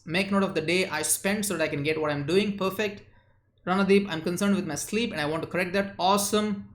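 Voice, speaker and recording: A man's voice: high voice, roomy sound. A man from India hosting a live stream, reading viewers' chat messages aloud and answering them with lots of uh fillers. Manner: chatty, reads chat names and answers quickly, frequent uh fillers. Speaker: live-stream host and memory coach.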